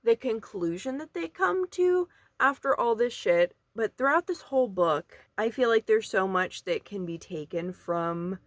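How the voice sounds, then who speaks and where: A woman's voice: a little high, expressive, unhurried, hardly any pauses, no room sound. A young woman chatting informally and bluntly about books, rambling a little and swearing casually. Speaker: book reviewer video creator. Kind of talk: casual book commentary to camera.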